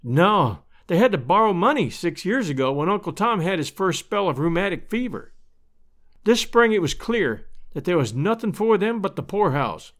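Man voicing a high-pitched, kindly country wife. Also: very animated, normal speed, a bit bright. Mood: sorrowful. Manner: folksy, exclaiming and fretful. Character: cheery, kind-hearted, talkative rural married woman. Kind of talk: storybook character voice.

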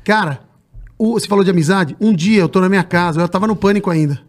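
A man's voice: sits high, fast. A middle-aged man with a Brazilian Portuguese accent, co-hosting a casual podcast and telling stories while acting out the voices of the people in them. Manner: animated storyteller acting out quoted voices. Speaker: podcast co-host. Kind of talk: casual chat, storytelling.

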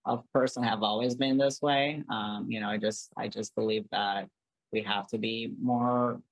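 In a casual interview chat, a podcast guest and artist from Brazil, a native Portuguese speaker, rambles along with frequent restarts and many uses of "like." The mid-range voice keeps fairly even intonation at normal speed. The recording is rough but dry and close, with no room sound.

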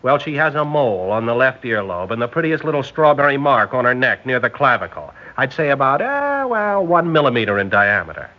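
An actor playing a glib young engineer. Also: male voice, medium pitch, sing-song, fairly quick, hardly any pauses, natural voice. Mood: cocky. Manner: wisecracking, smooth-talking. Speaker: lead character and narrator. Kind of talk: 1960s radio drama acting. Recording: dull lo-fi old radio recording.

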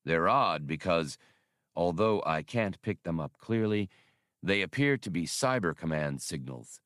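A deep-voiced servant droid from a space adventure audiobook, played by a male narrator. It speaks formally and precisely, deferential and measured, in a very dry recording. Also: expressive, fairly bright tone, no room sound. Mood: calm, reporting. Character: polite, dutiful male-voiced labor droid, deferential and literal.

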